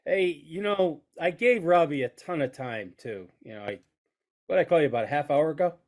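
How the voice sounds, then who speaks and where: A man's voice: on the high side, lively intonation, fairly quick. A man co-hosting a casual podcast, congested from a heavy cold, teasing his partner with dry humor. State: has a cold. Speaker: co-host, trainer.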